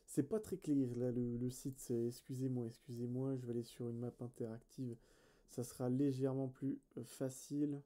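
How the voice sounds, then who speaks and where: A man's voice: medium pitch, flat delivery, normal speed, dark tone. A man hosting a video game let's play, thinking aloud in casual commentary, hesitating and correcting himself as he talks to viewers. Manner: chatty, addresses viewers directly.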